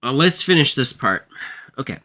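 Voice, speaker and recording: A man who is sick and losing his voice, working through textbook math problems aloud in a halting, apologetic way. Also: mid-range voice, sing-song, pushed and bright. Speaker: math tutor.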